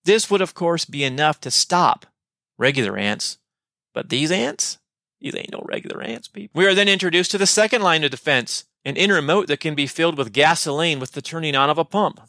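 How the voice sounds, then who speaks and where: Male teaching-podcast host, playful asides, bright forward tone. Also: on the high side, expressive, a little fast, no room sound, clean studio sound. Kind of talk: podcast lesson summary.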